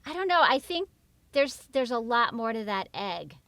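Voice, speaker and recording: A woman from New York chats as a guest in a high voice with very dry sound. She gushes casually and voices reactions as she goes. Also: big pitch swings, moderate pace, sharp tone, no echo. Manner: gushing, acts out quoted reactions. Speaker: podcast guest. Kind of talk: animated casual chat.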